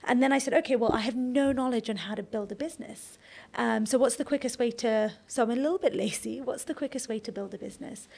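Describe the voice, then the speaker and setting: A young adult woman from Kenya, a startup founder, answering interview questions in a relaxed, conversational way with occasional fillers. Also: on the high side, fast, gravelly. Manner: conversational, explains at length with fillers and restarts.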